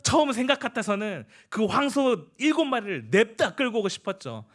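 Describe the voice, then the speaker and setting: A male pastor tells a story in his sermon, animated and expressive. His voice sits high and swings widely in pitch. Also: brisk.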